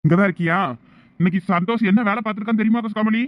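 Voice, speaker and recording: A man's voice: high voice, rapid-fire, no room sound, muffled recording, natural voice. A man voicing a hot-tempered loyal friend with a Thoothukudi accent. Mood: irritated. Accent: Thoothukudi Tamil. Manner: scolding, pleading with his friend. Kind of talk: cartoon voice acting.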